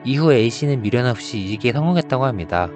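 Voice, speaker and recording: Hushed, suspenseful man narrating horror. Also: medium pitch, expressive, a little fast, over music. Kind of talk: scripted ghost story narration. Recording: rain ambience noise behind voice.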